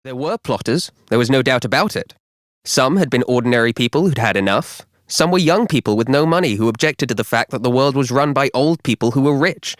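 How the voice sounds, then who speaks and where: A man reading scripted narration as a professional voiceover artist, measured and clearly articulated. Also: mid-range voice, no echo, clean studio sound. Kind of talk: scripted narration for audiobook, documentary and adverts.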